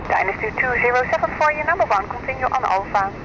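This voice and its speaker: A woman's voice: high-pitched, animated, fast. A woman giving clipped air traffic control instructions over an aviation radio. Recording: muffled radio, loud aircraft noise. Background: loud aircraft noise at airport.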